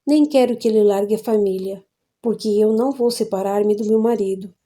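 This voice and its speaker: A woman's voice: mid-range voice, fairly quick, mellow, close to an everyday voice. A woman reading an audiobook, voicing a worried older father who pleads earnestly for his son. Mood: pleading.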